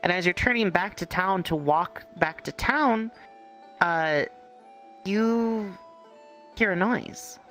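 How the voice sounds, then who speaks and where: A game master improvising second-person roleplay narration in a conversational, halting way. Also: medium pitch, a bit bright, faint music behind. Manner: conversational, halting storytelling with hedges.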